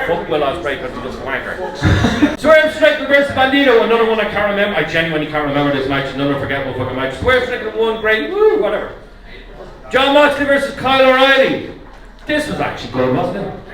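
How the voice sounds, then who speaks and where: A man's high-pitched voice at a very fast pace, with very wide pitch swings, over noticeable background noise. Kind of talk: live podcast wrestling review. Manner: profane, ranting.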